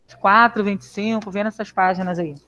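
Patient Brazilian teacher on a dull call. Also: female voice, medium pitch, steady tone, a little fast, pushed and bright. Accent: Brazilian Portuguese. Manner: patient, reassuring, coaxing questions. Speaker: primary school teacher. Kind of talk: live online class with children. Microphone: video call. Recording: lo-fi video call audio.

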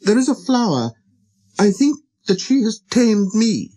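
Innocent little boy prince for a storybook, played by a man: high, light, polite, wondering, very lively intonation. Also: unhurried, exaggerated voice. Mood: earnest. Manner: wondering, questioning, courteous. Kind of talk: storybook character reading.

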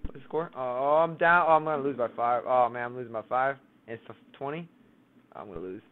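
A man swearing and complaining excitably while losing a casual one-on-one video game match. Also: medium pitch, a little fast. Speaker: gamer, boyfriend. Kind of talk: casual gaming banter. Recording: tinny phone-like sound.

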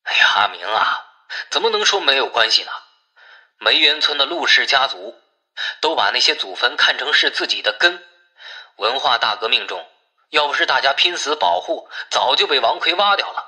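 A man's voice: medium pitch, big pitch swings, moderate pace, pushed and bright. A man voicing an anxious, resigned village kinsman in an audiobook drama, pleading and sighing through a radio-like phone filter. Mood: earnest. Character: anxious, resigned male village kinsman relaying bad news.

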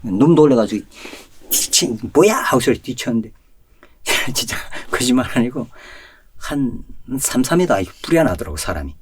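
A man, a pastor, telling his personal testimony in an animated storytelling way, chuckling often and swinging between loud and soft. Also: medium pitch, normal speed, slightly rough. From North Korea.

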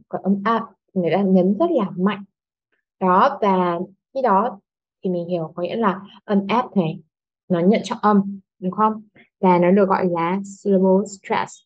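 A young woman teacher leads pupils through a lesson in an even, mid-pitched voice. She explains patiently, step by step, and keeps checking that they follow. The recording sounds a little dull and lo-fi. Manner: patient, explains step by step, asks "đúng không". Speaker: English teacher. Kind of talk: online lesson for schoolchildren.

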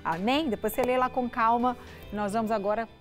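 A woman's voice: a little high, fairly even intonation, a little fast, music in the background. A middle-aged woman pastor with a Brazilian Portuguese accent gives a short, conversational devotional talk in a TV studio. She speaks to the viewer through a lapel mic. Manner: conversational, often asks the viewer "né?". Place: TV studio set.

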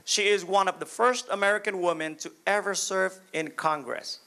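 A man's voice: sits high, moderate pace, gravelly, pushed and bright. A young man serving as master of ceremonies, formally introducing the next speaker with a handheld mic in a large hall. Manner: formal, announcing. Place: large indoor banquet hall, on stage at a podium.

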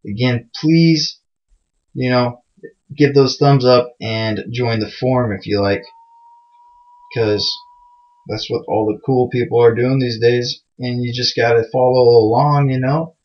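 A man's voice: mid-range voice, fairly even intonation, measured pace. A man hosting a programming screencast, talking loosely and mocking himself, with plenty of fillers. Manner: loose, chatty and self-mocking, with many fillers. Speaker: programming tutorial host. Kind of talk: casual screencast tutorial. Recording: dull lo-fi mic sound.

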